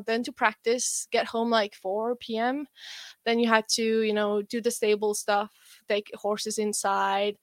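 A young woman with an Estonian accent, a guest athlete chatting in an interview, relaxed and rambling with many fillers. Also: on the high side, no room sound. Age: young adult. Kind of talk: casual interview chat.

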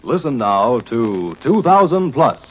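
A man's voice: medium pitch, big pitch swings, takes it slowly. A man announcing and narrating a 1950s radio drama in a dramatic, declamatory style. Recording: dull old radio recording. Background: dramatic music.

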